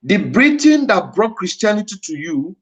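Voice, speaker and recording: A man's voice: sits high, very animated, moderate pace, slight background noise. A man with a Nigerian Igbo accent giving an impassioned lecture, repeating his phrases for emphasis. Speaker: speaker at a livestreamed address. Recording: dull lo-fi stream audio.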